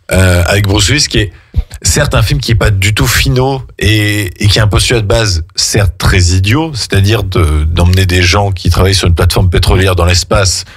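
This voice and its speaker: A man's voice: low voice, slightly rough, no room sound, studio quality. A man hosting a radio film show, chatting casually with many hesitations. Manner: relaxed, hesitant with many fillers.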